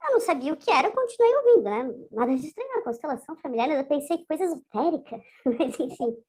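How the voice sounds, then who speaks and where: Woman, voice changer effect, high pitch, hesitant chatty interview guest. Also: sing-song, quick pace, darkish tone. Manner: conversational, hesitant, with frequent restarts and tag questions. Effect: voice changer disguising the voice. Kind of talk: casual recounting in a video interview.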